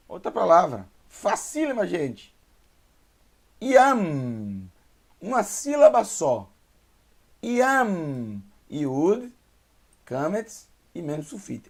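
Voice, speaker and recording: A man with a Brazilian Portuguese accent teaching beginner Hebrew, sounding out syllables slowly and repeating each word. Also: on the high side, big pitch swings, creaky, a little mellow, slightly rough. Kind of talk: slow beginner language lesson.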